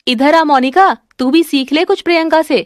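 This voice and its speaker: A woman's voice: high voice, moderate pace, dry recording, studio quality, close to an everyday voice. A woman voicing a strict, commanding mother-in-law who scolds her daughter-in-law. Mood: stern.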